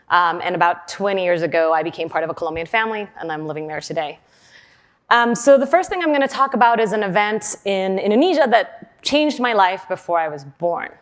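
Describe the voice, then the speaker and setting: A woman in her forties, raised in Western Canada, giving a conference keynote in a chatty way with fillers and laughs. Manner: chatty, with fillers and laughs, lively pitch swings. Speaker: conference speaker. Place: large conference hall.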